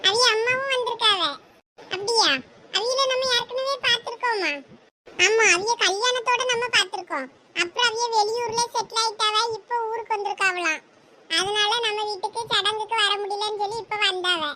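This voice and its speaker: A voice actor playing a bossy, teasing older sister in a cartoon, scolding and chatty, with a squeaky sped-up voice. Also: steady tone, brisk, pushed and bright. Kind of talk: cartoon voice acting.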